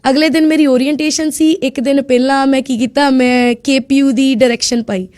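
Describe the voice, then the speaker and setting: A young woman from India, a student guest on a radio show, telling her story in a lively way and acting out what people said. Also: sits high, brisk. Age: young adult. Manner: lively storyteller who acts out quoted speech. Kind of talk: casual storytelling interview.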